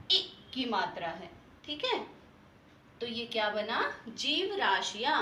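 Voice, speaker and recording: Slow-paced woman teacher in echoey room. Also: fairly high pitch, recorded from a distance, slight background noise. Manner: asks questions and answers them herself; slow, drawn-out model pronunciations. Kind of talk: Hindi spelling and pronunciation lesson.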